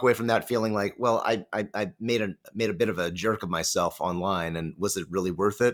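A man with an unremarkable speaking voice and an American accent talks at a fairly quick pace with ordinary pitch variation. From Los Angeles, US. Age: 40s. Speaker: voice actor. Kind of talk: casual chat. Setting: at home.

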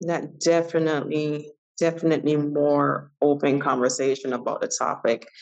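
A woman with a Jamaican accent, very deep and low in pitch, at a moderate pace. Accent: Jamaican Caribbean English. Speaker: mental health blogger and writer. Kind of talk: interview conversation.

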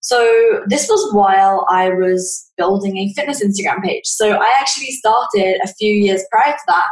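A woman at a moderate pace, medium in pitch with ordinary pitch variation, amid audible room echo.

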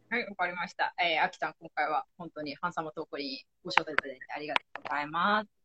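The speaker talks very fast, with big swings in loudness. Pitch moves in an ordinary way. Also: woman, fairly low pitch for a woman. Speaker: stay-at-home mother and café organizer. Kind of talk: casual interview chat. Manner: animated, frequent laughter.

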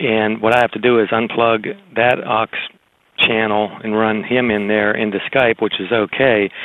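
A man talks at a moderate pace with an American accent. His medium-pitched voice stays monotone and flat. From South Carolina. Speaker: caller. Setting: phone call.

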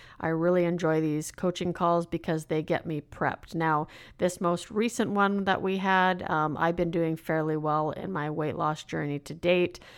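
A woman speaks in an unremarkable speaking voice at a fairly low pitch and a moderate pace. The recording is very clean, with a silent background. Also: hardly any pauses. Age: 40s. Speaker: podcast host. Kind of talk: casual chat. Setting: home studio.

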